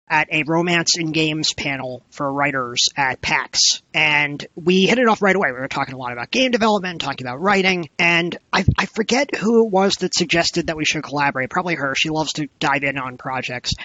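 Bright, higher-voiced man chatting as podcast guest. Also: no room sound, dull audio. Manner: talkative, informal, wryly self-deprecating. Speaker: guest, indie game developer. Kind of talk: casual interview chat.

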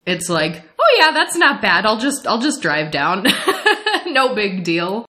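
A young adult woman from the Midwestern United States, chatting casually as a podcast co-host, animated and laughing often. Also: medium pitch, unhurried. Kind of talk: casual chat recapping an anime series.

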